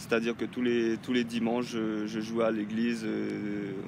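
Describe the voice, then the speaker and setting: In a monotone, flat intonation, a man with a medium pitch speaks at a fairly slow pace with audible room echo. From Tahiti. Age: 20s. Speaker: guitarist and guitar teacher. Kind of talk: interview. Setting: outdoors in a park. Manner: halting, many fillers.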